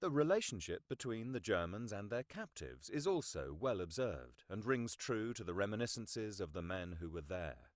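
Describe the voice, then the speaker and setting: A middle-aged man narrates nonfiction with a low-pitched voice and very varied intonation. His delivery is formal, articulate and measured. The sound is close and dry, with hardly any room in it. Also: big pitch swings, no room sound. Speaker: audiobook narrator. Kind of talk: scripted nonfiction audiobook narration.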